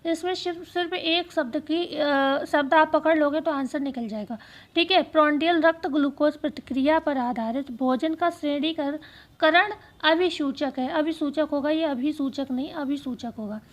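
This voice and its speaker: A woman teacher going through exam questions, speaking slowly and repeating key phrases so students can write them down. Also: sits high. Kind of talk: exam-prep lesson.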